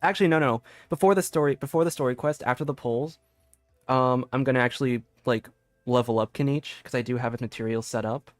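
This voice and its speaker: A man chats casually through a game livestream, thinking aloud as he goes. His mid-pitched voice is dry and close to the mic, with faint music underneath. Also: fast, no room sound. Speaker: game streamer. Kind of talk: casual livestream gameplay chat.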